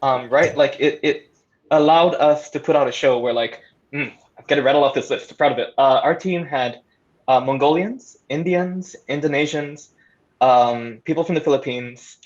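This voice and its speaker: A man's voice: a little high, normal speed. A man speaking casually and chattily from a remote call as a panelist on audio fiction. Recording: dull lo-fi online call.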